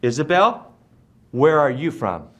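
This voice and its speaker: A male teacher from the United States leading an English class, speaking slowly and deliberately and repeating words for his students. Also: fairly high pitch, very animated. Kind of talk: slow classroom drill.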